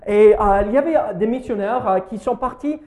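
In a church hall, a man with an American accent preaches as a pastor, his high-pitched voice a little mellow and his speed normal. He hesitates frequently, leaning on fillers, and poses questions to those listening.

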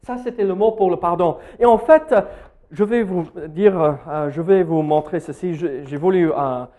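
Speaking at a moderate pace in a warm voice that sits high, an American-accented pastor delivers a sermon in a church hall. His manner is hesitant and full of fillers, and he asks the audience questions.

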